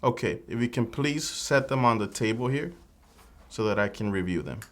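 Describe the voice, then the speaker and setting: A man's voice: medium pitch, animated, moderate pace, fairly bright tone. Formal man asking interview questions. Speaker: mock immigration officer. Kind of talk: scripted mock interview.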